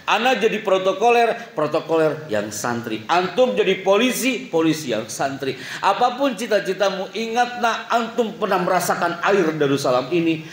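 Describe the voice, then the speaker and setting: Animated man telling stories to students. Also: sits high, normal speed, a little hiss or hum. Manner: animated storyteller, acts out quotes, swings loud and soft. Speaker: motivational speaker at a boarding school. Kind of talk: lively motivational talk to students. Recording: echoey hall with faint ambience.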